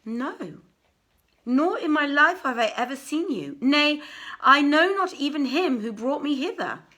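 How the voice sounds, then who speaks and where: A woman voicing an anxious, flattering male jeweler in a storybook, speaking earnestly in ornate old-fashioned phrases. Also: sits high, measured pace, voice pushed up, full character voice. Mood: wary, earnest. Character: frightened, flattering male jeweler telling his ordeal.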